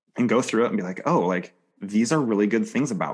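A man's normal speaking voice, fairly low in pitch with ordinary pitch variation. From US, moved around (military family). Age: 30s. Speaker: business coach, former firefighter. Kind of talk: casual interview.

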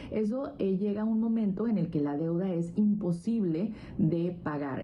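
A woman speaks at a fairly slow pace in a somewhat breathy voice with ordinary pitch variation. Her loudness stays very even over light background noise. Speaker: financial specialist. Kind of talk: expert interview answer. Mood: serious, cautionary.

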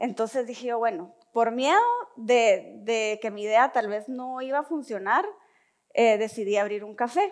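Against a quiet background, a woman speaks at a fairly slow pace in a fairly high pitch, with ordinary pitch variation and big swings in loudness. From Guatemala. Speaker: entrepreneur, healthy food business founder; guest. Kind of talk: talk to an audience. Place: hall. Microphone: headset.

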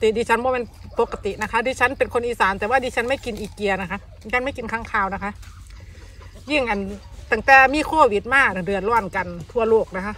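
A woman's bright, sharp tone shows ordinary pitch variation, heard as a dry sound with no echo over light background noise. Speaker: food vlogger. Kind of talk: casual vlog chat while eating. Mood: earnest, opinionated. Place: garden. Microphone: phone near.

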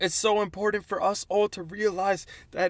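A man with a high pitch talks over a quiet background, the sound dry with no echo. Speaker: faith vlogger. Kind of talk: sermon-like vlog talk. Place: car. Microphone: phone near.

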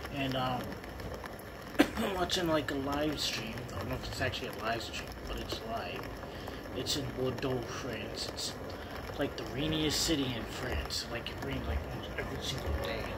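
Someone talks at a moderate pace over loud background noise. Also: man. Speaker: vlogger. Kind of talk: casual vlog chat. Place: home room. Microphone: phone near.

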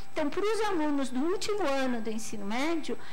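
A woman speaks with a high pitch. Background noise is noticeable. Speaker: physicist and lecturer. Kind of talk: lecture with Q&A. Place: hall.

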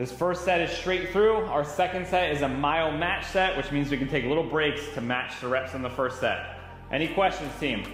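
A man at a moderate pace with hardly any pauses, audible room echo, and faint music in the background. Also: ordinary pitch variation. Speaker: fitness coach. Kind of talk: workout tutorial. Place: gym. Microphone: earbuds.

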